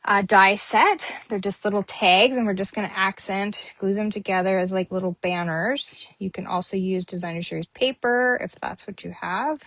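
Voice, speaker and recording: At a moderate pace and with hardly any pauses, a woman with a mid-range, fairly bright voice leads a casual crafting tutorial as a papercrafting host. Chatty, with many ums, she rambles in a friendly way while working into a dry close mic.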